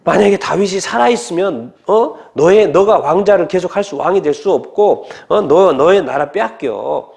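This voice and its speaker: A man's voice: sits high, lively intonation, normal speed, vocal fry, few pauses. A male preacher voicing an angry older king who berates his son. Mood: raging. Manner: shouting and scolding. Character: furious older king, a raging father.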